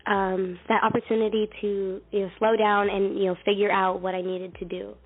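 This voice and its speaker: A woman's voice: mid-range voice, level tone, moderate pace. Young woman with a baby-like voice by phone. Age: young adult. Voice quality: youthful baby-like voice. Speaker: singer guest. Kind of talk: casual interview answers. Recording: tinny phone line.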